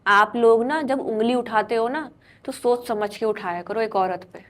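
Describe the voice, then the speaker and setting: A woman's voice: on the high side, moderate pace, fairly bright tone, slight background noise. A woman hosting a podcast interview, asking direct, probing questions.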